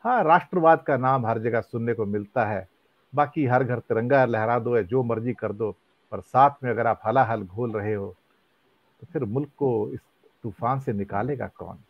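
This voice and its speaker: A man moderating a panel debate, speaking in a measured way and working song lines into his remarks. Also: mid-range voice, no echo. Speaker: debate host. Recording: dry, muffled lo-fi audio.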